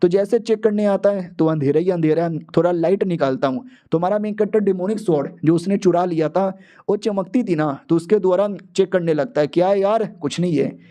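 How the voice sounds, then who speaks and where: Playful high-voiced male manhua narrator. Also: a little fast, warm tone. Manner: playful, slangy, jokey asides to viewers. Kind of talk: comic storytelling with character voices.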